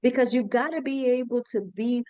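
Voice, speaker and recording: A woman's voice: fairly high pitch, normal speed, mellow, no echo, highs cut off. An American woman hosting a conversational, motivational podcast, emphatic and fond of repeating phrases. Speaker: podcast host. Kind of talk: conversational interview, motivational talk.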